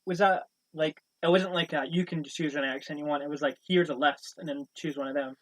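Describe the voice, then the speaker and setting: A young man with a soft Scottish accent, chatting casually and laughing easily as a podcast host. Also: fairly high pitch, fairly even intonation, fast talker, rough recording. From Scotland. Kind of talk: casual chat.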